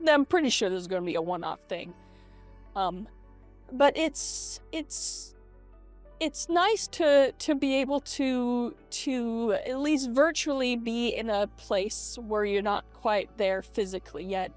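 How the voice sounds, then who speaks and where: A woman talking casually and haltingly in a personal vlog, reflecting as she goes, her voice processed by a voice changer to sound more feminine. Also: mid-range voice. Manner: hesitant, halting, self-reflective. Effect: voice changer making the voice feminine. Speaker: vlogger. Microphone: webcam setup. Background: lo-fi video game music.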